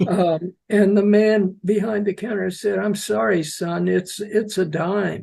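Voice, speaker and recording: A man with a high pitch and a dark, mellow tone speaks very slowly, with fairly even intonation and hardly any pauses. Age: 70s. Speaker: clinical psychologist and play therapist. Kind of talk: storytelling in conversation.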